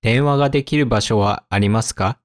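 A man teaching vocabulary, saying each word and example sentence twice, slowly and carefully, then giving its meaning. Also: mid-range voice, no room sound, studio quality. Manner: slow, careful enunciation with repetition. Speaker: Japanese teacher.

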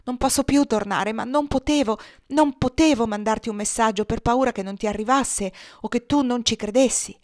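A woman's voice: a little high, moderate pace, few pauses, no room sound, studio quality, close to an everyday voice. A woman voicing a frightened young woman who pleads urgently in an audiobook reading. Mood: urgent pleading.

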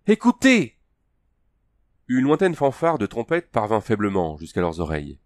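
A man narrating an adventure story as an audiobook, steady and measured. His voice sits on the low side and is recorded close and dry, with no room sound around it. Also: no echo. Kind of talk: scripted narration of a fantasy story.

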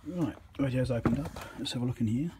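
A man's voice: medium pitch, quick pace. A man talking casually and matter-of-factly through electronics repair, thinking aloud in short fragments at a workbench. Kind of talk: casual unscripted workbench commentary. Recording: noisy hand-held workshop recording.

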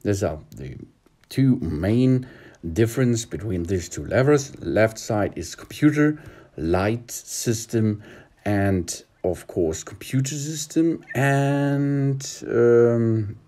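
A man's voice: mid-range voice, expressive, warm tone. A man giving a hesitant, methodical instructional walkthrough from inside a car, recorded on a handheld phone. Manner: hesitant, methodical, with many pauses. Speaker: car tutorial presenter.

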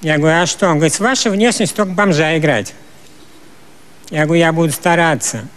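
A man performing a comic monologue on stage, telling it deadpan and slipping into characters' voices. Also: on the high side. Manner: deadpan storytelling with quick shifts into voiced characters. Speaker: stand-up comedian. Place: stage before a live audience. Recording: loud crowd and noise of a live show. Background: laughing audience.

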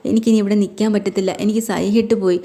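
A woman's voice: mid-range voice, fairly even intonation, very fast, warm tone, close to an everyday voice. Woman doing a timid pleading young wife. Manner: pleading, tearful.

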